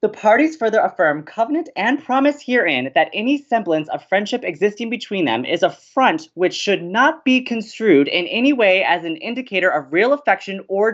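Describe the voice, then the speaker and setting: An earnest young male radio host at a college, played by a man in an audio drama. His delivery swings widely in pitch, wry and theatrical, on a slightly muffled recording. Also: a bit bright.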